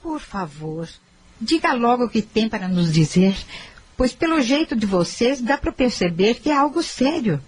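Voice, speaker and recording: A woman's voice: on the high side, sing-song, moderate pace, breathy edge. An actress playing an anxious, indignant mother in a radio soap opera, speaking in an emotional, pleading way. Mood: tense, impatient.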